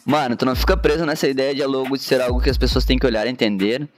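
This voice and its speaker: Racing along in a mid-range voice with fairly even intonation, a thirtysomething streamer from Rio Grande do Sul chats slangily and casually while he draws on a live stream. The graphic designer speaks gaúcho Brazilian Portuguese, leans constantly on filler tags, and uses a headset in an indoor home studio as soft music plays.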